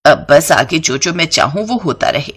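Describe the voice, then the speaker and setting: A woman's voice: deep voice, expressive, moderate pace, fairly bright tone, breathy edge, full character voice. A woman voicing a greedy, scheming middle-aged maidservant with sugary, coaxing talk in a cartoon story.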